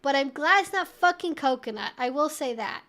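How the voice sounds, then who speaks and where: This woman's voice sits high, with lively intonation, a moderate pace, and a fairly bright tone. She's a livestream host fielding viewer questions, reading their messages out and chatting aimlessly as she thinks aloud.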